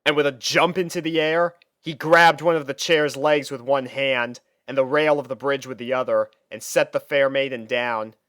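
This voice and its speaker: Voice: mid-range voice, fairly even intonation, moderate pace, hardly any pauses, fairly bright tone, no room sound, clean studio sound. A narrator reading a story aloud from a script. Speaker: fan fiction reader and narrator.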